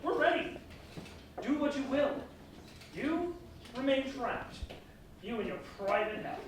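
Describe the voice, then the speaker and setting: A man in a staged reading playing a weary, defiant condemned Christian, speaking solemnly and deliberately. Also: very high voice, animated. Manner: solemn, deliberate, earnest declamation. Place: large reverberant performance space, staged reading. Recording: echoey hall from far off, faint noise.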